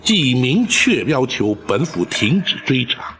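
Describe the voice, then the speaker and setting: An actor playing a stern, upright official judge who gives measured commands in a period drama. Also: male voice, mid-range voice, big pitch swings, fairly bright tone, a little hiss or hum. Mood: calm. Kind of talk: Mandarin period drama dialogue.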